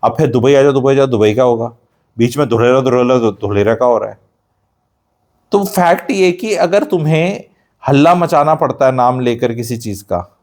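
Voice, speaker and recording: A man's voice: mid-range voice, a little mellow. Man, real estate host, blunt, sarcastic, lecturing monologue, rhetorical questions. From Haryana. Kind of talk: opinionated monologue, mixing Hindi and English.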